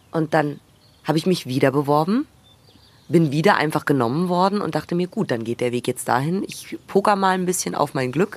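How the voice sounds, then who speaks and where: Her pitch is very deep and low for a woman. She talks at a fairly quick pace with lively intonation. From Bavaria, Landshut. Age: 20s. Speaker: stage actor. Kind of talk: casual interview. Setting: outdoors in a garden arbour.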